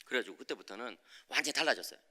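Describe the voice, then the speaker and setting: A middle-aged man preaching a dawn sermon in a church, telling a personal story with lively acted-out voices and frequent checks with the congregation. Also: mid-range voice, very fast. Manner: animated, acts out quoted voices, frequent "예?" to the congregation. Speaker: preacher, visiting professor. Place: church sanctuary.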